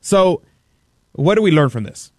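A man's voice: sits high, lively intonation, unhurried, no echo, clean studio sound. Emphatic, indignant male radio host. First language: English. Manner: emphatic, indignant, rhetorical questions. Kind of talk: opinionated talk radio commentary.

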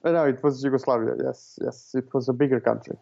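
A man's voice: medium pitch, fairly even intonation, quick pace, creaky, dark tone, lo-fi sound. A man from Serbia answering interview questions casually, with hesitant talk full of fillers and restarts. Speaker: guest, author and consultant.

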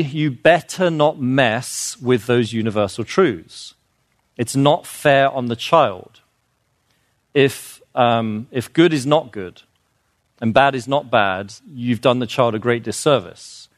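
A man's voice: mid-range voice, no echo, clean studio sound. A man giving an informal, earnest lecture, explaining with fillers and restarts and growing emphatic on his key points. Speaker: speaker on children's literature.

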